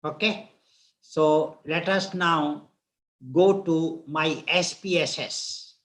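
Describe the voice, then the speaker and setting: A man with a North Indian accent giving a live online lecture as an instructor, speaking deliberately and repeating his phrases. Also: on the high side, fairly even intonation, fairly bright tone.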